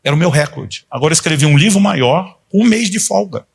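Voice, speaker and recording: A man's voice: a little high, expressive, a little fast, gravelly, slightly rough. A man in his fifties, a pastor giving a conversational sermon and acting out quoted dialogue as he tells stories. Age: 50s.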